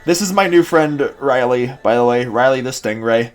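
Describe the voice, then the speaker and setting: A young man hosts a casual review vlog in an ordinary mid-range voice. He rambles, restarts sentences and leans on fillers. He gets audibly excited as a fan. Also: mid-range voice, normal speed, soft background music. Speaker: host.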